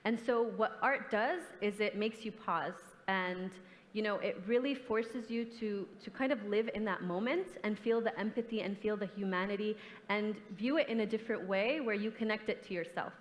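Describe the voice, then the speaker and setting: On a panel in a large conference hall, a young artist raised in the US and Canada gives an impassioned, earnest and reflective answer. She speaks at a moderate pace in a mid-range voice, captured by a stage mic with hall reverb.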